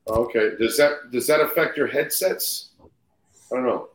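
A man's voice: mid-range voice, a little slow. A man hosting a sports radio show in casual, teasing banter, his voice heard with an echoey roomy sound.

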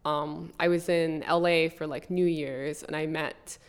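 A young woman with a low, smooth, resonant voice talks through her thoughts in a loose, rambling way. She peppers her talk with "like" and "you know." She speaks as an author guest on an interview show. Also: steady tone, unhurried. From Colombia. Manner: rambling, filler-heavy with frequent "like". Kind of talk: podcast interview.

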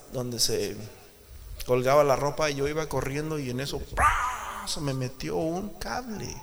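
A man preaching a sermon in a church, talking emphatically and swinging from soft, confiding talk to loud outbursts as he addresses the listener directly. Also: mid-range voice, vocal fry. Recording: long hall reverb with faint background noise.

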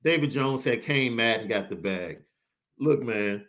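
Male podcast host, excitable slangy sports talk, lively pitch. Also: measured pace. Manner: excited, slangy, reads super chats. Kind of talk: animated sports podcast banter.

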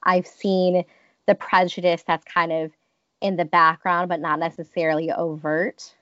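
A woman's voice: lowish voice, level tone, a little slow, a bit bright, no room sound, lo-fi sound. A woman in her thirties from the United States, telling personal stories in an interview in a thoughtful, hesitant way with many restarts. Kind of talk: reflective personal storytelling.

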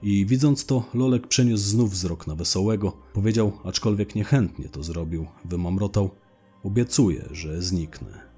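A man's voice: lowish voice, moderate pace, hardly any pauses, mellow, breathy edge, faint music behind. A man narrating a first-person crime story in a blunt, slangy way, swearing now and then.

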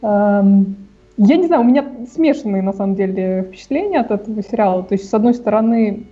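A woman's voice: mid-range voice, lively intonation, brisk, warm tone, lo-fi sound. A woman co-hosting a podcast, giving her hesitant, casual opinions on TV shows. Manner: hesitant, many restarts and fillers. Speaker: podcast co-host. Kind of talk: casual TV review chat.

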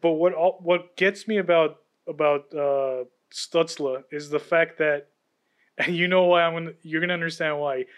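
Confident man, slightly high voice. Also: steady tone, normal speed, smooth, lo-fi sound. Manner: confident, breaks down players with enthusiasm. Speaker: podcast co-host. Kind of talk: casual sports chat.

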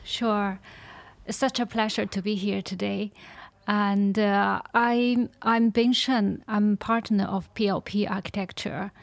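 Woman architect, flat steady delivery with some vocal fry. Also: medium pitch, slow, dry recording. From China. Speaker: architect guest. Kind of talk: interview answer.

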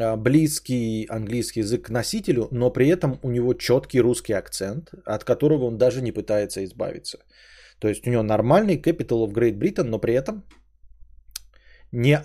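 Mellow-voiced man chatting casually. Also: mid-range voice. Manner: rambling, explanatory, many fillers. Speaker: podcast host reading donations. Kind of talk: casual live-stream chat.

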